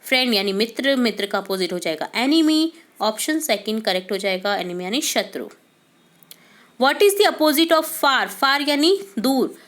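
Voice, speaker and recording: A woman teacher going through quiz answers step by step, asking questions and answering them herself, reading English questions slowly and deliberately. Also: on the high side, lively intonation, fairly bright tone. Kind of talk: quiz answer walkthrough lesson.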